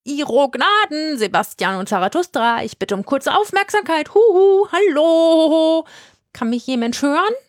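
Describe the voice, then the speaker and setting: A woman voicing an eccentric female Christmas witch who speaks in exaggerated courtly phrases with high, squeaky swoops. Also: sing-song, moderate pace, hardly any pauses, fairly bright tone, no echo, clean studio sound. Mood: mock-courtly.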